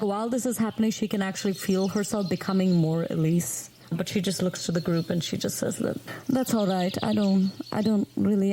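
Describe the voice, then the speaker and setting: A woman playing a tabletop game, narrating her character casually and haltingly with many filler words. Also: medium pitch, warm tone, a little hiss or hum, poor audio. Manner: halting, heavy use of "like".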